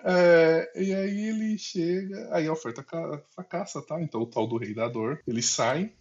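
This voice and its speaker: A man's voice: on the high side, normal speed. Chatty Brazilian man, lo-fi sound. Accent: Brazilian Portuguese. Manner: animated, jokey, frequent "né?" tags. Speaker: podcast host. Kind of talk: casual chat retelling a comic story.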